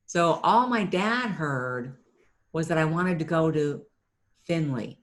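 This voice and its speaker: A middle-aged marketing business owner from Ohio tells stories chattily as an interview guest, often repeating a word when she restarts. She speaks slowly and expressively in a deep voice.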